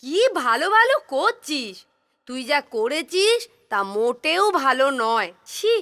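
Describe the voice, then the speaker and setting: High-pitched, plaintive cartoon village woman. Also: big pitch swings, a little slow, heavily acted. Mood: indignant, hurt. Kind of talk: Bengali children's cartoon voice acting. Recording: loud music behind the voice.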